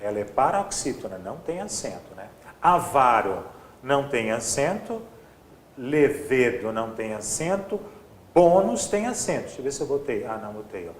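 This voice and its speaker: A man teaches an exam-prep grammar class, walking through each answer step by step. His pitch swings widely as he stresses each point. He sounds like he is in a roomy, echoing space with a faint hum of ambience behind him. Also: sing-song, moderate pace. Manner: explains step by step, often adds "ó" and "tá?".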